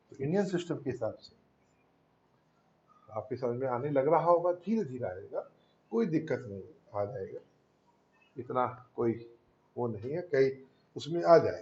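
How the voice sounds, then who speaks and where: A man's voice: mid-range voice, a little mellow. A male school maths teacher giving a patient classroom lesson, asking and answering his own questions and calling his students "beta", with Indian English number words. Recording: roomy, dull lo-fi classroom recording.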